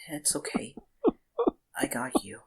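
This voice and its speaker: A man playing a gentle but quietly firm young vampire in an audio drama, soft-spoken and hesitant. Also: medium pitch, husky, full character voice, poor audio. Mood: tender.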